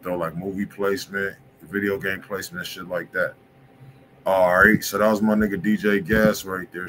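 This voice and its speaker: A man with a fairly low voice talks loosely and casually as he reviews tracks on a livestream, peppering his talk with slang and quick check-ins. He sits at a desk in a home studio room. A faint hiss of room noise sits under his voice. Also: fairly bright tone, rough recording. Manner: laid-back slangy talk, keeps asking "you feel me". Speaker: music review show host.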